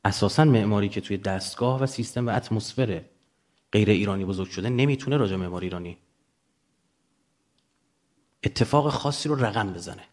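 A man's voice: lowish voice, long pauses, darkish tone. A man with an Iranian Persian accent lecturing informally and emphatically, explaining through examples and rhetorical questions.

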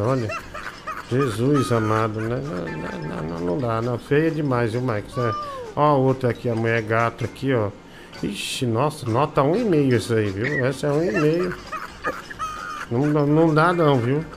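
A man's voice: mid-range voice, normal speed, gravelly, over music. A man hosting a casual comic live stream, mocking pictures and reading viewer messages aloud. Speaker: show host.

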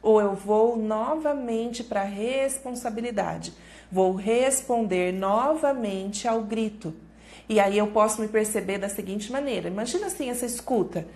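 A woman's voice: mid-range voice, a little slow, darkish tone. A woman with a Brazilian Portuguese accent hosting a live stream on parenting, explaining patiently, repeating key phrases and acting out example thoughts.

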